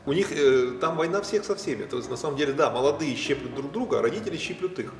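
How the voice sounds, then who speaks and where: A man's voice: a little high, animated, quick pace. A man casually commenting on what he watches, in a playful, jokey way. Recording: echoey, reverberant, music over the voice.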